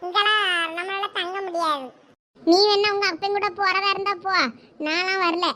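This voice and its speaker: A woman's voice: extremely high pitch, fairly even intonation, moderate pace, sharp tone. A woman with a Thoothukudi accent plays a fed-up village mother in a comedy skit, complaining and scolding her family. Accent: Thoothukudi Tamil. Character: fed-up village mother who left her drunk husband.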